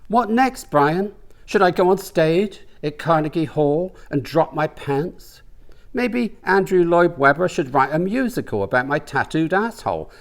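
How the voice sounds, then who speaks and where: A man's voice: fairly high pitch, voice pushed up. A man voicing an indignant, humiliated gay man in a comic novel, exasperated, sarcastic and melodramatic.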